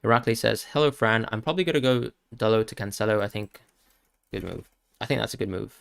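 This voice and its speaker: A man hosting a live question-and-answer stream, talking quickly as he reads out viewers' questions and answers each one on the spot. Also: on the low side, vocal fry, smooth, no echo. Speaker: fantasy football stream host.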